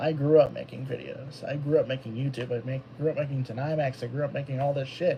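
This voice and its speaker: A man rushes through his words very fast, with hardly any pauses. His fairly high voice stays flat and monotone over noticeable background noise. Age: 20s. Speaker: youtuber. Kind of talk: casual livestream chat. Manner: halting, many fillers.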